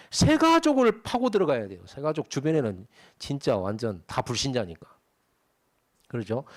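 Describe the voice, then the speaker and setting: A middle-aged male pastor giving a sermon in a conversational, animated way, often asking the congregation rhetorical questions. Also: mid-range voice.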